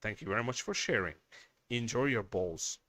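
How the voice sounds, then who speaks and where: A man's voice: on the low side, animated, moderate pace, a bit bright, no echo, clean studio sound. A man hosting a casual livestream, chatting with viewers, reading their messages and swearing bluntly as he rambles. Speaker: livestream host.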